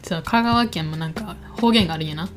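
A young woman with a Kagawa accent co-hosting a casual podcast, frank and quick to show exasperation. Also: lowish voice, over music. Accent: Kagawa Japanese. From Kagawa, Japan. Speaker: podcast co-host. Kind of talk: casual chat.

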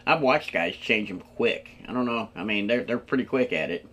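Relaxed male interview host. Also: lowish voice, normal speed. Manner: relaxed, encouraging, lots of short agreements. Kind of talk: casual interview chat.

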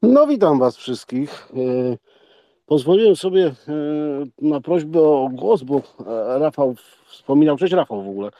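A man giving informal remarks as a guest speaker, halting and rambling, often repeating his words. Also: fairly high pitch, animated, warm tone, no room sound. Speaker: poker event co-organizer, guest speaker.

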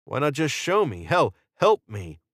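A grim male hero, voiced by a male narrator, speaking in clipped, controlled phrases. The pitch is ordinary and the recording dry, as in an audiobook. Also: wildly swooping pitch, a little slow, fairly bright tone, no room sound, exaggerated voice. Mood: controlled, urging. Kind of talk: audiobook character dialogue.

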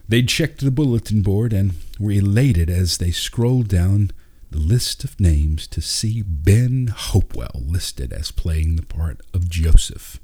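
A man with a husky voice narrating a scripted story as a storyteller. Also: deep voice, dark tone.

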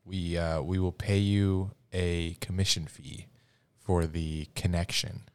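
A man's voice: low-pitched, flat delivery, slow pace, clean tone. A young adult man co-hosting a podcast in casual, informal chat, explaining things to listeners as he goes. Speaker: podcast co-host.

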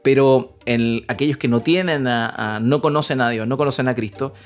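A man's voice: mid-range voice, moderate pace, faint music behind. A man co-hosting a Christian parenting podcast, talking earnestly and rambling with many restarts and repeated words. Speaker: podcast co-host.

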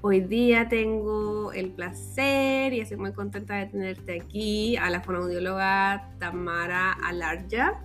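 A woman's voice: mid-range voice, steady tone, unhurried, hardly any pauses, a bit bright, soft background music. A woman with a Chilean accent hosting a podcast, interviewing her guest in a casual, conversational way.

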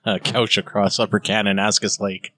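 A Canadian man with a lowish voice joins casual podcast chat with short remarks. The recording is dry. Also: level tone, moderate pace, sharp tone, no room sound. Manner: brief agreeing interjections. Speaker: podcast co-host.

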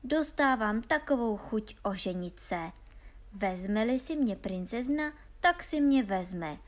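A woman reading aloud and voicing a foolish, cheerful young peasant lad who boasts loudly. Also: a little high, expressive, lightly acted. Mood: boisterous. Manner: boastful, loud and carefree.

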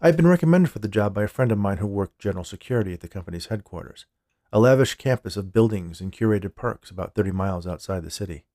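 A man narrating scripted stories as a podcast host, with a measured, dramatic delivery and deliberate pauses. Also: fairly low pitch, lively intonation, dark tone.

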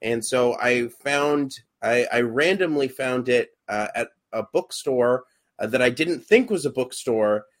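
A man's voice: medium pitch, a little slow. A young adult man, a podcast co-host and actor, chatting casually and hesitantly with many fillers and restarts.

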